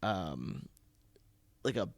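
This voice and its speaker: A man's voice: deep voice, very animated, very slow, no echo, studio quality. A man hosting a casual podcast interview in a bantering, teasing manner. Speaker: podcast host, theatre producer.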